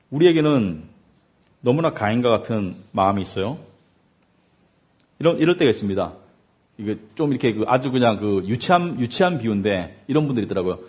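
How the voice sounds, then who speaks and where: A male pastor delivers a sermon in a husky voice with a mid-range pitch. He moves between raised, stretched phrases and low, quiet answers. He keeps putting rhetorical questions to his congregation. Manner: rhetorical questions with answers that rise and fall in loudness. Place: church sanctuary.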